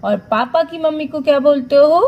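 A woman's voice: high-pitched, moderate pace, dull audio. A woman teaching a Hindi lesson to young children, patient, asking questions and answering them herself, mixing in English words. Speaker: primary school Hindi teacher.

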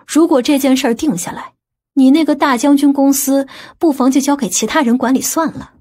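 A woman's voice: high voice, a little fast, dark tone, lightly acted. A woman acting a confident, well-connected aunt in an audiobook drama, speaking in an assured, matter-of-fact way. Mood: persuasive.

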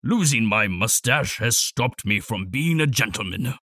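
A man voicing a fretful, well-mannered gentleman from a children's storybook. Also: medium pitch, animated, a little slow, no room sound, studio quality, voice pushed down, full character voice. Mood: dismayed. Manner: fretful, self-questioning.

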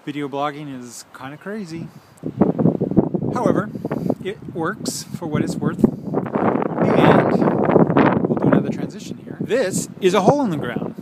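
A man in his forties with a slightly high-pitched voice muses aloud in a casual, halting ramble. He is recorded on a handheld phone, with very loud outdoor noise around the voice. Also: animated. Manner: musing, halting, drifting between thoughts. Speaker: video blogger. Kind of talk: casual rambling monologue to camera. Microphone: handheld smartphone at arm's length.

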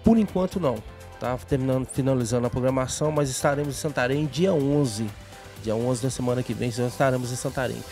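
A man's voice: mid-range voice, fast talker, darkish tone, faint music behind. A middle-aged man, a guest singer speaking politely and earnestly in a studio on a handheld mic. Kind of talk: casual TV interview. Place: TV studio set.

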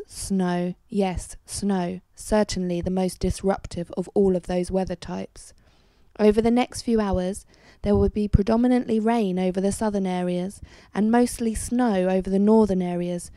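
A woman's voice: mid-range voice, warm tone, dry recording. Female weather presenter over music. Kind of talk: scripted weather forecast.

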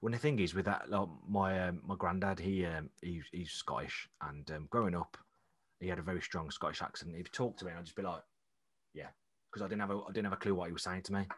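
A man's voice: low-pitched, fairly even intonation, fast talker, fairly bright tone, breathy edge. A man with a Black Country accent hosting a casual podcast interview, enthusiastic and encouraging. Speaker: podcast host.

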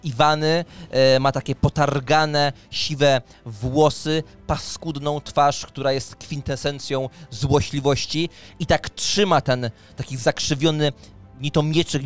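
A man narrates a fantasy roleplaying session as its game master. He describes scenes in a dramatic storytelling way at medium pitch, speaking close to the microphone with music playing softly underneath. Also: smooth. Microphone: close microphone on a boom arm, headset on.

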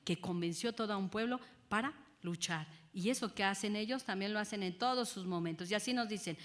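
A woman, a judge giving a lecture to an audience, lively and often asking them rhetorical questions. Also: a little high. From Mexico.

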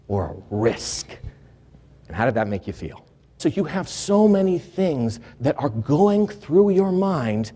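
A man in his forties giving a keynote speech in a hotel ballroom, animated and acting out the people in his stories. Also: fairly high pitch, breathy edge. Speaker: keynote speaker. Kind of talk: live keynote speech with storytelling. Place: large hotel ballroom, indoors.

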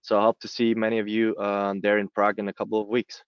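A man's voice: on the low side, monotone, fast, clear, resonant tone, no room sound, highs cut off. A man from Austria, hesitantly introducing himself as a webinar co-presenter.

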